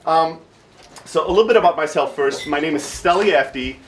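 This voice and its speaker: A man's voice: on the high side, brisk, a little hiss or hum. A man in his thirties from Greece, raised in southern Germany, giving an informal workshop talk in a blunt, irreverent, self-deprecating manner while jet-lagged. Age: 30s. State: jet-lagged, short of sleep.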